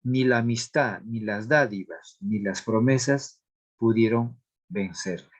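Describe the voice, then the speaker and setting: A man teaching a grammar lesson, explaining rules slowly and deliberately, reading out examples and checking in with the class. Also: lowish voice, dull audio. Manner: asks checking questions of the class.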